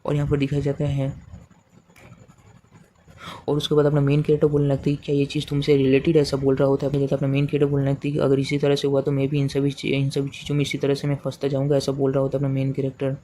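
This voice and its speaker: Indian man, casual recap narrator, fast and monotone, rambling with restarts, faint room hum. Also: medium pitch. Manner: rambling, repetitive, many fillers and restarts; speaks quotes in the same flat narrating voice.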